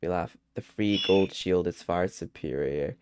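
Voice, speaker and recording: A young man, a gaming YouTuber, rambles through casual let's-play commentary and chuckles often while game music plays. His voice sits low and moves a little slowly, with some background noise in the recording.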